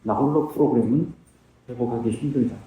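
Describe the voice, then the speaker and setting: A man's voice: mid-range voice, a little fast, mellow. A man in his fifties sharing his recovery testimony in an earnest, plain-spoken way, asking himself questions and answering them. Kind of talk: personal testimony talk. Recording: very echoey room, distant mic.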